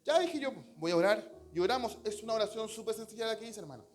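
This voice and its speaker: A man's voice: high voice, expressive, fast talker. A man with a Chilean accent preaching a sermon as pastor, earnest and storytelling, often calling listeners brother. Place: church.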